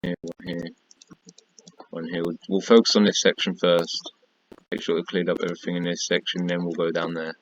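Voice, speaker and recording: Tired low-voiced man narrating a build. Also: little pitch movement, a little fast, highs cut off. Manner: chatty, repetitive counting and pointing while building. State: tired, losing his voice. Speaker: gaming tutorial creator. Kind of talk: casual build tutorial commentary.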